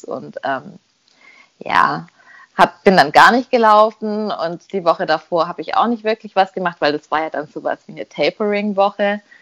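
In a dry, close sound with no echo, an ordinary speaking voice proceeds at a moderate pace with ordinary pitch variation. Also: woman. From Stuttgart area, Germany. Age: 20s. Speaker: amateur runner. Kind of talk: interview.

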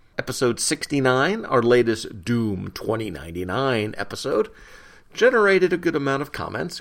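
A man with an American accent talks at a fairly quick pace with lively intonation in an ordinary speaking voice, captured in a very clean recording with a silent background. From US, suburban Maryland near Washington DC. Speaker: podcast host, comic book reviewer. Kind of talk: solo podcast review and listener feedback reading.

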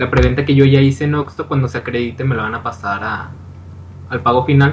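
Noticeable background noise behind a man talking at a moderate pace, his pitch in the medium range and varying in an ordinary way. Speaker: podcast co-host. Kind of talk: casual chat.

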